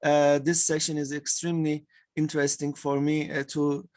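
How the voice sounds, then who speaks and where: A man's voice: a little high, level tone, moderate pace, a little mellow. A man from Turkey, giving an academic panel presentation over a video call, with frequent fillers and restarts. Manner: hesitant, many fillers and repeated words. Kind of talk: conference presentation.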